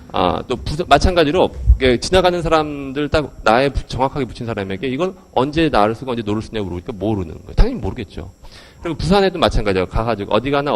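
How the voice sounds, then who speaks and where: A male lecturer talks fast to a hall audience through a handheld mic. His pitch leaps up and down as he fires questions at the crowd, and the delivery stays animated throughout. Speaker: English education lecturer.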